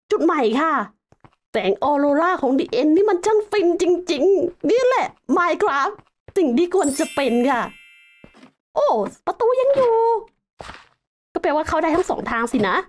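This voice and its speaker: A young adult woman giving playful, excitable commentary on a Minecraft game as its host, chatting to the dragon she fights. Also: very high-pitched, a little hiss or hum. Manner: excitable, playful, talks to the dragon, frequent laughs and exclamations. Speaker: Minecraft let's-play host. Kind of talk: casual gameplay commentary.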